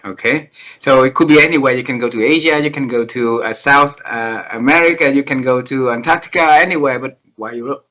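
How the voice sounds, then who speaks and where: A man hosting an interview over a video call, polite and formal, with slightly halting phrasing. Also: medium pitch, fairly bright tone. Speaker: host.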